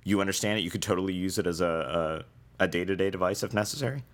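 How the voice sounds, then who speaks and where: A man with a hoarse voice hosting a casual tech podcast, talking in halting bursts full of fillers and restarts. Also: sits low. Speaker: podcast host.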